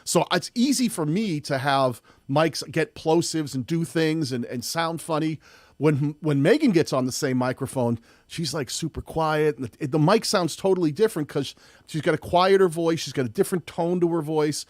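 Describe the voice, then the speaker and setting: Loud-voiced male host, a touch high, dry close sound, chatty with many restarts. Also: moderate pace, no echo. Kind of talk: live-streamed tutorial chat.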